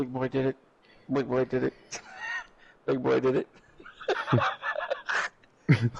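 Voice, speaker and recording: A man mumbles in a put-on character voice at a medium pitch and a moderate pace. He leaves long, frequent pauses. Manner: slow, mumbling.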